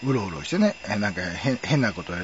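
A man's voice: fairly low pitch, fairly quick, dull audio, slight background noise. A middle-aged man telling a personal story in a wry, chatty way. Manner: wry, chatty, lively intonation. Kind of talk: casual storytelling monologue.

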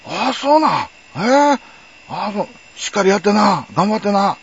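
A man's voice: medium pitch, lively intonation, racing, slightly rough, recorded from a distance, muffled recording. A man playing a brusque police officer with a Kansai accent, talking down to a suspect. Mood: chummy. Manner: curt, talks down, then turns friendly.

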